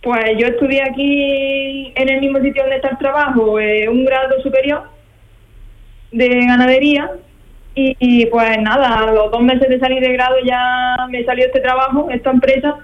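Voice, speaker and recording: A woman's voice: high voice, little pitch movement, normal speed. A woman in her twenties on a phone call, talking over speakerphone and giving plain, matter-of-fact answers. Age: 20s. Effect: on speakerphone over a phone line. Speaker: caller. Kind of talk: phone interview from her workplace. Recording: distant, dull phone line.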